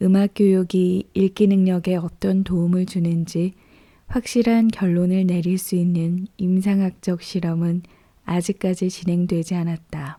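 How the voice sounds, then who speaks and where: A woman speaks at a medium pitch with a dark, mellow tone, somewhat breathy and calm, in a monotone, flat delivery. Her pace is fairly slow, and the recording is very clean with a silent background. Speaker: audiobook reader. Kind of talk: audiobook reading, sleep-time reading ASMR. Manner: calm, soft, slow.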